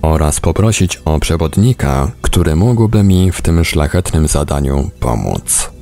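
A man's voice: very deep voice, very animated, unhurried, creaky, mellow. A man reading a first-person book aloud as scripted narration. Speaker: audiobook reader.

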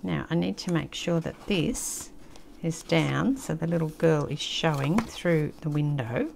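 A woman's voice: low voice, unhurried, creaky, darkish tone, slight background noise. An older woman with an Australian accent, chatting casually and reminiscing as she hosts a craft tutorial at a table. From country New South Wales, Australia. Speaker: craft channel host.

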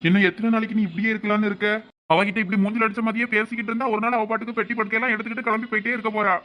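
A stubborn, blunt young village husband, played by a man in a family comedy skit. His voice is fairly high for a man, and his lines come quick and bickering. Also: little pitch movement, pushed and bright, rough recording. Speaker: skit actor playing a husband and his friend.

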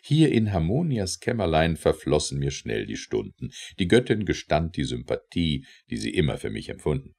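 A man narrating an audiobook of verse in an expressive, theatrical and declamatory reading style. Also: very deep voice, moderate pace, gravelly, few pauses.

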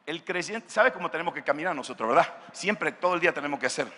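A male pastor preaching a sermon at a youth conference, with an impassioned delivery that rises to shouts. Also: on the high side, expressive, fast talker, long reverb tail. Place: large hall at a youth conference.

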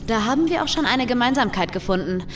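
A woman's voice: a little high, lively intonation, fast, a little hiss or hum, natural voice. A woman acting in an audio drama as a quirky, self-assured network expert with a cheeky, nonchalant manner.

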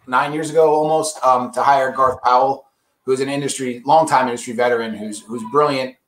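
A man's voice: mid-range voice, fairly even intonation, brisk, fairly bright tone, reverberant. A man representing an audio brand, casually explaining products in an enthusiastic, salesy way.

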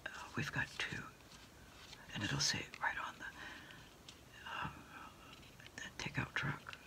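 A middle-aged woman doing a soft, unhurried ASMR roleplay as a takeout order taker on the phone, hesitating and trailing off often. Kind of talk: whispered ASMR roleplay, one-sided phone conversation.

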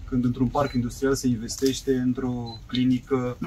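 A man's voice: mid-range voice, flat delivery. A man making a formal, declarative public statement as a county official. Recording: noisy outdoor recording with traffic.

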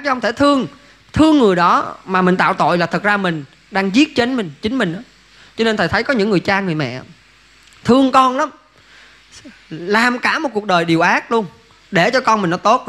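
A man's voice: sits high, a bit bright. A man, a monk giving a folksy dharma talk that keeps asking listeners rhetorical questions. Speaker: Buddhist monk teacher.

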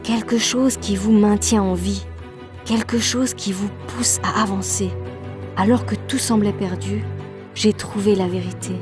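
A woman's voice: medium pitch, steady tone, measured pace, natural voice. Woman doing young adventurer heroine, solemn n resolute, trailer style, faint music behind. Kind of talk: dramatic film trailer narration.

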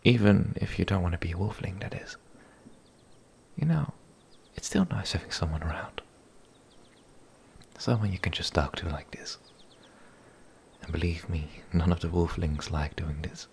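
A very low, creaky male voice for a gentle, lonely werewolf played by a man in an ASMR roleplay. He whispers much of the time, shy and hesitant, with soft breathy phrasing. A light hiss and ambience sit behind him. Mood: sympathetic, tender. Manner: hesitant, halting, soft-spoken.

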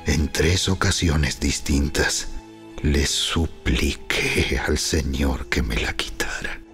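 A man playing an earnest, humble apostle in a dramatized scripture reading, with solemn, deliberate, booming biblical narration. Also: a bit bright, soft background music, exaggerated voice.

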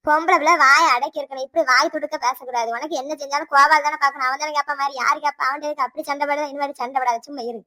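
A performer voicing an older village woman neighbor in a cartoon, lecturing the couple in a rapid Tirunelveli accent. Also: high-pitched, steady tone, bright, forceful tone. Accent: Tirunelveli Tamil. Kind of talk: cartoon voice acting.

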